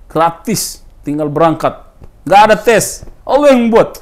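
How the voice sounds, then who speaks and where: A man in his thirties from East Timor, telling his personal story in a casual interview, his voice rising high when he stresses a point. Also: a little slow. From Timor Leste. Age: 30s. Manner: animated storyteller, voice rising with emphasis.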